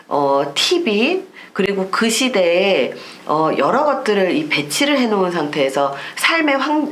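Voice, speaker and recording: A woman's voice: fairly low pitch, slight background noise. A woman lecturer explaining psychology in an emphatic, explanatory way, asking rhetorical questions. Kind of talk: recorded lecture to camera.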